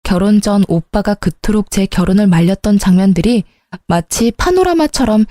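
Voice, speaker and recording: A woman's voice: medium pitch, expressive, normal speed, mellow, dry recording, clean studio sound. A woman telling a personal story as scripted radio narration, in a matter-of-fact manner.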